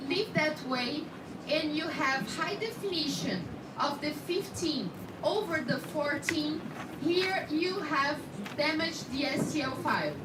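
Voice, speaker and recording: A Brazilian woman, Portuguese her first language, teaches dental scanning with a hands-on technical demo, repeatedly checking that trainees keep up. Her voice sits high and her accent is Brazilian. It's captured in a noisy indoor training room with echo, a distant mic and heavy noise.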